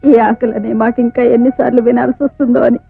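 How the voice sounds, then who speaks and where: A woman's voice: a little high, flat delivery, quick pace, vocal fry, slightly rough, no echo, faint music behind. A sorrowful, tearful poor mother. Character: poor grieving mother of a young boy. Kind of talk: film drama acting. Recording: tinny lo-fi old film soundtrack.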